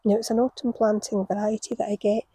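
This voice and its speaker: A woman's voice: medium pitch, level tone, quick pace, warm tone, husky, no echo. A woman in her forties chatting casually to camera while working outdoors, telling stories with a laugh. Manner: chatty storytelling, laughs at her own tales. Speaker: gardening vlogger. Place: outdoor allotment garden. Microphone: camera on the ground a few metres away.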